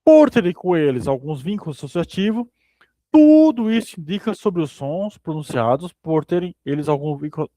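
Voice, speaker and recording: Guy reading a book out loud, kinda high voice, stumbles and rereads bits, dry close mic. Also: no echo. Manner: reads steadily, stumbling and rereading phrases. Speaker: reader in a philosophy study group.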